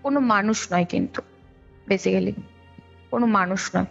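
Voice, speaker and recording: A woman's voice: medium pitch, moderate pace, vocal fry. A young woman tells a personal ghost story conversationally, in detail, circling back over points. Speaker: guest, caller. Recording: dull lo-fi call recording with background music. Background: background music.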